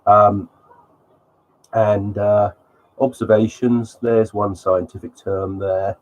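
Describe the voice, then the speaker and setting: A man's voice: lowish voice, little pitch movement, slow pace, lo-fi sound. A man with a cold, sounding sniffly, hosting a live stream and talking through slides in a rambling way with many ums. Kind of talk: casual live commentary on slides.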